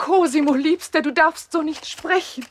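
An actress playing an imperious, passionate noblewoman in a 1960s German radio play, with a breathy, theatrical delivery. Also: high voice, moderate pace, a little hiss or hum, close to an everyday voice. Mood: tender. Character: imperious, passionate noblewoman lover, teasing and capricious.

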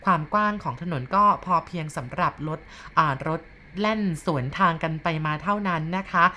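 A woman narrating a ghost story in a polite, steady way, often softening her sentences. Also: fairly low pitch, moderate pace, slight background noise.

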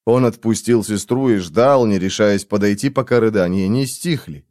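A man reading an audiobook narration in a measured storytelling manner. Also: lowish voice, darkish tone, no room sound, studio quality. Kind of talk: scripted narration.

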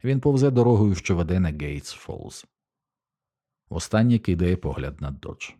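A man narrating an audiobook in a steady, measured reading. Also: low voice. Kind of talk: scripted narration.

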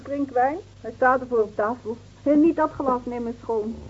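A woman's voice: fairly high pitch, normal speed, husky. An actress playing a bitter, weary middle-aged village mother in a radio play, curt and fatalistic in manner. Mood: curt, sour. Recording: dull, muffled old radio play recording.

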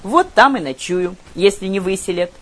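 A woman reading the lines of a friendly, trusting young woman in an audiobook, with a lively, eager manner. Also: medium pitch, normal speed. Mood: amused.

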